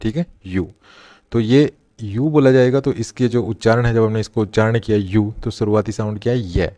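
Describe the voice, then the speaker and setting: A man teaching English grammar in a patient, repetitive way, slowing down to spell out sounds. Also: lowish voice, dark tone, no echo. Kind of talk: classroom grammar lesson.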